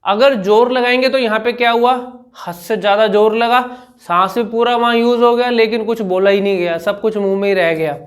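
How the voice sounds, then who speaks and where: High-voiced speech coach explaining. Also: male voice, steady tone. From India. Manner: demonstrates sounds by repeating syllables slowly. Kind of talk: instructional vlog.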